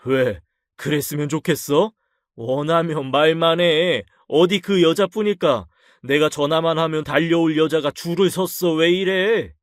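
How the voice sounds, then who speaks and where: An actor playing an arrogant, hot-tempered husband who talks with contempt and a threatening edge in a radio drama. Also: male voice, on the high side, measured pace, dry recording, clean studio sound, lightly acted. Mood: defensive.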